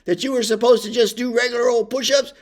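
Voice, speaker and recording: An older man voicing a harsh male army drill sergeant who barks orders high and loud. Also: steady tone, fast. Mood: scolding. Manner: barking, shouting high and loud.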